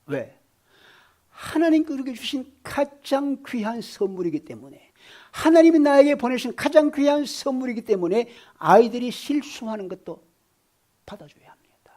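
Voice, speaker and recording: High-voiced man preaching a sermon. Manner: storytelling, shifting from hushed to loud. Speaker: pastor. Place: church sanctuary.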